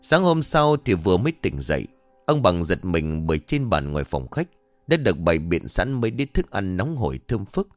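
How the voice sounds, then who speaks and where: Expressive low-voiced male horror narrator. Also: normal speed, no echo, faint music behind. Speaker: storyteller. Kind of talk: scripted horror story narration.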